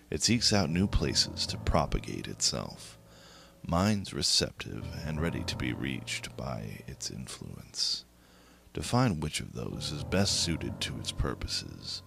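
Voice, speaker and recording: A man's voice: rumbling low, vocal fry, noisy background. A man giving a grave, ominous dramatic narration of a horror tale. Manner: slow, grave, ominous delivery. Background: music.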